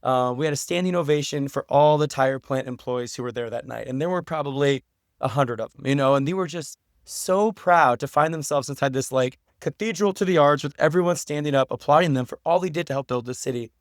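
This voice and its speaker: Speaking at medium pitch and a fairly quick pace, an American documentary director talks as a podcast interview guest. His storytelling is conversational, earnest and explanatory, with emphatic repetition, captured as clean studio sound with no room noise.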